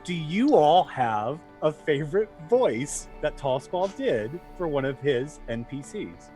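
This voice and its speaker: A man's voice: a little high, sing-song, takes it slowly, mellow, faint music behind. A man hosting a cast wrap-up conversation, upbeat as he asks the players questions. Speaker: host.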